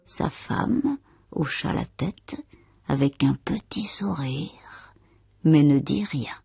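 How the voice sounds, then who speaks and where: A narrator reading a fairy tale in an expressive, measured storytelling style. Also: medium pitch, creaky. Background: music.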